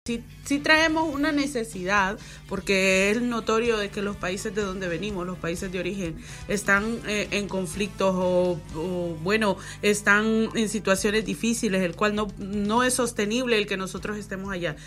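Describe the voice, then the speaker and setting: A woman's voice: medium pitch, normal speed, few pauses, fairly bright tone, soft background music. A woman from El Salvador hosting a Christian interview, reflective and affirming. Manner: reflective, frequent affirming backchannels. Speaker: host of a Christian program. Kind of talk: conversational interview.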